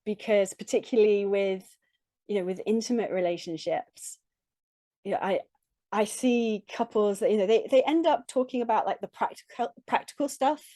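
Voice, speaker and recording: A middle-aged woman coach talks with a mellow, warm voice in a dry, close recording. She is earnest and reflective, building her points in short halting phrases with restarts. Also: mid-range voice, no echo. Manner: earnest, reflective, with frequent soft laughs. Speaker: relationship coach, podcast guest. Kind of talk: conversational interview.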